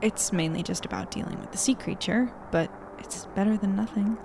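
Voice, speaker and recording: A woman's voice: medium pitch, brisk, background noise, lightly acted. A woman playing a practical, reflective young narrator in an audio drama, speaking casually. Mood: reflective, uneasy. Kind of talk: first-person audio drama narration and dialogue.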